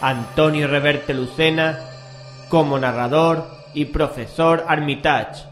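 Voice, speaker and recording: A man's voice: fairly high pitch, fairly even intonation, slow pace, fairly bright tone, faint music behind. A man reading scripted titles and credits as the announcer of a radio drama.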